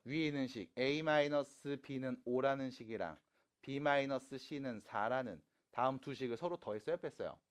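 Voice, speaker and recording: A man teaching math to high school students in a classroom, casual and teasing, switching between polite and plain speech. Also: normal speed, clean tone. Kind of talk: classroom lecture.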